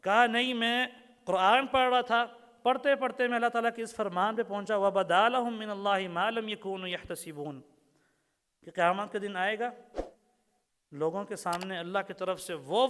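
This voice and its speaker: A male preacher with a high, resonant voice tells stories and recites verses in a lecture. He repeats key phrases and asks his listeners questions. The sound carries a long reverb from the hall. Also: a bit bright, smooth. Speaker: religious lecturer. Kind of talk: Urdu sermon lecture.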